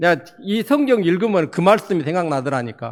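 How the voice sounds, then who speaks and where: Very wide pitch swings in a man's high voice. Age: 80s+. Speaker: retired pastor. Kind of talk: sermon.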